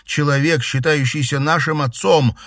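A man's voice: on the high side, fairly even intonation, normal speed, a bit bright, dry recording, clean studio sound, voice pushed up. Man voicing an earnest consoling young woman, slightly raised voice, insistent, storybook.

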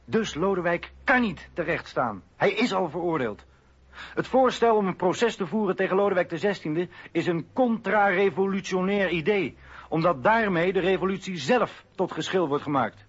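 A man's voice: high voice, lively intonation, normal speed, husky. An actor playing a stern radical revolutionary orator, declaiming accusations against a king in a radio docudrama. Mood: stern, accusing. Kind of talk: political speech in a radio docudrama. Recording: dull lo-fi radio recording.

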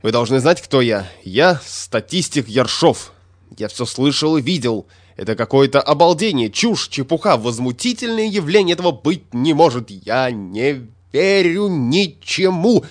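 A man voicing a hysterical, puffed-up little male statistician who shouts and rants indignantly. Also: very animated, measured pace, no echo. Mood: ranting. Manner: shrill, shouting, indignant ranting.

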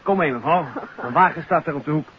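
An actor playing a chatty, smooth-mannered man-about-town in a 1950s radio drama. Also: a little high, fast, lightly acted. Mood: helpful. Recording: dull, noisy old radio recording.

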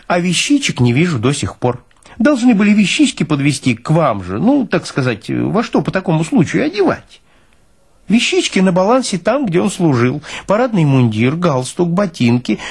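A man performs a fussy army medical officer from a radio play, forever pleading and lamenting. His voice rides high and swings widely with theatrical self-pity. The tone is somewhat husky. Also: sing-song, normal speed, exaggerated voice. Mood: pleading urgency.

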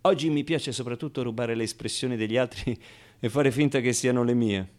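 A man acting a radio theatre monologue as a cheeky, wounded motherless Arab orphan recalling his childhood, in a colloquial, halting, theatrical way. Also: mid-range voice, close to an everyday voice. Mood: wry, confiding. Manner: colloquial, halting repetitions, swinging from outbursts to hushed confiding. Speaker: stage actor performing a monologue.

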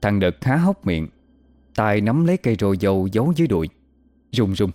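A man telling a horror story in slow, even, suspenseful narration. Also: on the low side, no room sound. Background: faint music.

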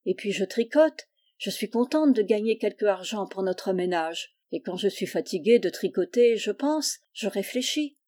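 A woman voicing a gentle, pious blind young girl in a storybook reading, soft, calm and resigned. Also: mid-range voice, normal speed, close to an everyday voice.

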